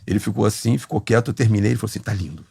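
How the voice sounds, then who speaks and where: A man's voice: fairly low pitch, very fast, creaky, slightly rough, no echo. A man, a recording engineer telling studio stories in a casual interview, acting out the dialogue and swearing freely. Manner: animated, acts out quoted dialogue, swears freely.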